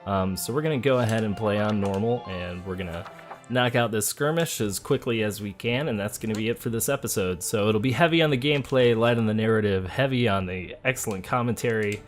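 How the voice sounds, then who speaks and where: A man giving relaxed, chatty gameplay commentary as a let's play host, thinking aloud as he goes. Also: on the low side, brisk. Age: adult, parent of a school-age child. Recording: game music behind the voice. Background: video game music.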